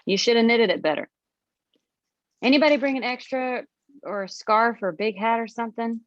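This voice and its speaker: A woman's voice: a little high, fairly quick, lo-fi sound, slight background noise, natural voice. A woman playing a fussy, vain country woman who grumbles in a folksy, exasperated way at a screenplay table read.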